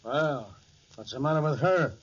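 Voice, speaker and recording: An actor playing a surly, offhand crook with slangy speech in a 1940s radio drama. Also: male voice, fairly high pitch, animated, moderate pace, a little hiss or hum, lightly acted. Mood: puzzled. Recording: dull, muffled old radio recording.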